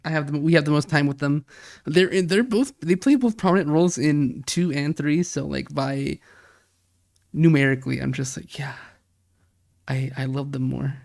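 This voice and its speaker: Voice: medium pitch, normal speed, vocal fry. An animator and stream host chatting casually while working, giggling often and breaking off mid-sentence. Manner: giggly, self-interrupting, swinging between loud and quiet.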